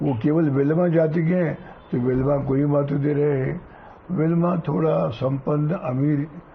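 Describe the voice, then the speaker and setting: Over noticeable background noise, a man speaks at a fairly high pitch with fairly even intonation and very even loudness. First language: Telugu (speaking Hindi). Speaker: senior journalist. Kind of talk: interview.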